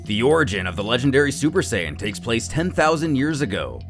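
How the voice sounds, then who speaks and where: A man's voice: mid-range voice, big pitch swings, fairly quick, a bit bright. A man narrating a dramatic story recap in a theatrical, suspenseful manner, with music playing behind him. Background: background music.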